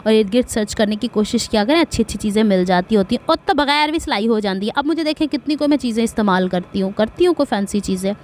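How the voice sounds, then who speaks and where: A woman's voice: a little high, animated, darkish tone. A middle-aged woman from Pakistan with a Punjabi accent, giving a chatty sewing tutorial and wandering into asides and blessings. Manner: speaks slowly on purpose. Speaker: sewing vlogger.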